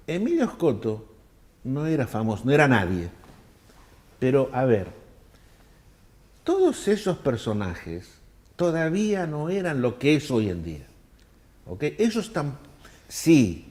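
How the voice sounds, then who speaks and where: Older Argentine man telling travel anecdotes. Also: medium pitch. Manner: animated anecdotes, acts out quoted people in raised voices. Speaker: world traveler telling his story. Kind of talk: storytelling interview answers.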